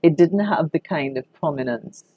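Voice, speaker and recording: A woman's voice: sits low, moderate pace, breathy edge, dry recording, phone-quality sound. An older woman with a Trinidadian accent reminiscing conversationally in an interview, telling anecdotes expressively as a veteran broadcaster.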